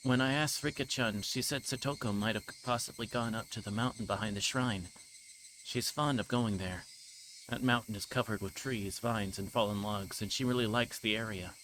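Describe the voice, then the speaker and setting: A man with a fairly low voice reads visual novel text aloud on a livestream. His delivery is measured and a little halting. There is clear background noise in the recording. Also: a bit bright, low-quality recording. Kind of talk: reading game text aloud.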